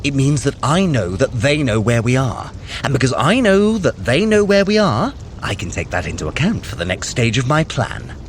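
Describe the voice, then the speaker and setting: An actor playing a cunning, sardonic trickster god in an audio adventure, with a wry, condescending, theatrical manner. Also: male voice, mid-range voice, sing-song, normal speed, slight background noise, lightly acted. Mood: scheming, wry. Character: Loki, cunning, sardonic male trickster god, brother of Thor. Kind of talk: scripted audio adventure acting.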